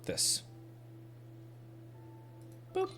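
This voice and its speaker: A man streaming a game, giving casual, playful, rambling commentary. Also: drawn-out words. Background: game music.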